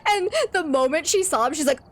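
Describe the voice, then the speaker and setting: Expressive and high-pitched, a woman speaks fairly quickly as she plays a video game on stream. She keeps up casual banter with viewers, laughs often, and reads their chat messages out.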